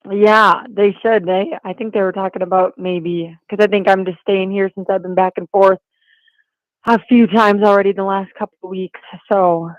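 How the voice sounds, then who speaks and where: A woman's voice: mid-range voice, steady tone, normal speed, no room sound. Woman on a tinny speakerphone. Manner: easygoing, laughs often. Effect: phone on speaker. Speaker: guest on the phone. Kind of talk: casual chat. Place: rural home near the mountains. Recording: tinny speakerphone line with a bad signal.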